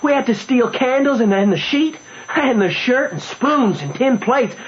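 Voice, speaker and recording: A woman playing an excitable, proud, adventurous country boy in a radio drama. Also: a little high, a little slow, muffled recording, a little hiss or hum. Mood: eager, boastful. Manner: boastful, folksy, eager.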